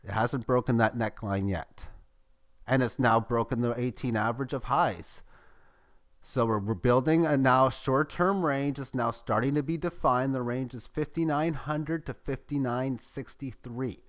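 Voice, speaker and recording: A man giving live, tick-by-tick commentary on a price chart as the host of his channel, growing excitable at key moments. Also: measured pace. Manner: running play-by-play, excitable at highs. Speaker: market chart analyst.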